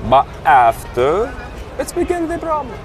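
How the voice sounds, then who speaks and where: A man from Jerusalem, a lawyer speaking halting, broken English in a street interview. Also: extremely high pitch, huge pitch swings, over music. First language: Arabic. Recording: outdoor street noise.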